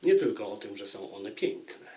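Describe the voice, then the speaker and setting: A man giving an unscripted book review, speaking deliberately and repeating phrases for emphasis. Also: on the low side, sing-song, mellow.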